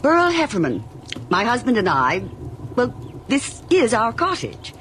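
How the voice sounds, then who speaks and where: A woman's voice: a little high, wildly swooping pitch, measured pace, a bit bright, exaggerated voice. A motherly middle-aged woman in a radio play, folksy and chatty. Her voice swoops dramatically up and down over faint noise. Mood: friendly, reassuring.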